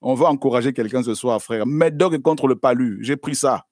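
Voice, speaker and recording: Man preaching, chatty and repetitive, loud bursts then quiet asides, dry close sound. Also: mid-range voice, normal speed, no echo. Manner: repetitive, conversational, frequent "hein?" and "alléluia"; swings between loud exclamations and quiet asides. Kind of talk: sermon.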